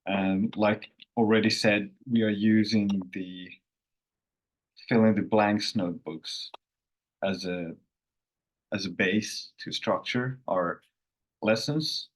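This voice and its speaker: A man who is a native Finnish speaker, hosting a casual online language lesson in an unhurried, rambling way with self-corrections. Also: lowish voice, rough recording. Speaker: language course host.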